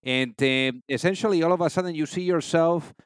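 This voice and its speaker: A male podcast host with a slightly high, smooth and resonant voice. He talks eagerly and rambles, filling his questions with "you know" and trailing asides. The sound is dry and close. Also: a little fast, no echo. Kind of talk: interview questions.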